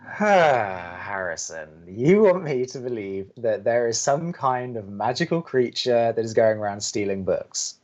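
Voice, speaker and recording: A man's voice: mid-range voice, big pitch swings, unhurried, a little mellow, muffled recording. An actor playing a skeptical, guarded young man who co-hosts college radio in an audio drama, with a hesitant, wry way of talking. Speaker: college radio co-host and advice-giver. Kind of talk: naturalistic audio drama acting.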